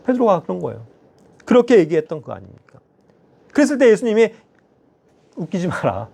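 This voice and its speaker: A male lay preacher giving a sermon in a church, animated and constantly prodding his listeners with quick questions. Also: high voice, gravelly.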